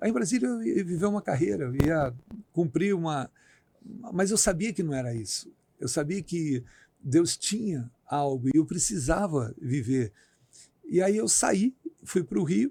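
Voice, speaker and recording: With a dark, mellow tone and a fairly high pitch, a man speaks at a fairly slow pace, his pitch swinging very widely, with long, frequent pauses. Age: 60s. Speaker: bishop. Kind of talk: interview storytelling.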